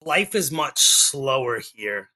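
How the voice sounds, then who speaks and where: A man's voice: mid-range voice, animated, takes it slowly, sharp tone, breathy edge. A man in his forties with a Boston-area accent, a life coach chatting as a guest on a remote call, rambling with many ums and restarts. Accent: Boston area, non-rhotic. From Massachusetts, US. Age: 40s. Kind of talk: casual interview chat.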